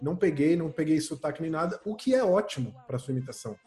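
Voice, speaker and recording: A man's voice: a little high, lively intonation, fast, a little mellow, soft background music. A man hosting a comedy podcast, handing out mock-serious, ironic praise. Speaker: podcast host.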